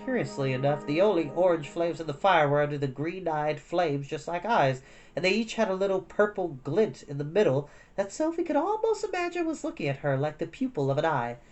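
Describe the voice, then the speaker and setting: Higher-voiced man narrating a storybook. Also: sing-song, fairly quick, darkish tone, soft background music. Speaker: storytime reader.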